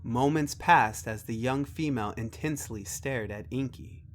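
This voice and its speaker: A man's voice: medium pitch, normal speed, slight background noise. A man narrating a scripted dramatic story.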